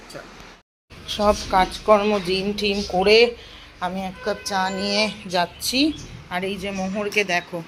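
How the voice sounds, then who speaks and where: Chatty homemaker woman, lowish voice. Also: noisy background. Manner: chatty, talks straight to viewers in a homely way. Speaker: vlogger and mother. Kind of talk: casual daily-life vlog narration. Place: home kitchen and rooms, indoors.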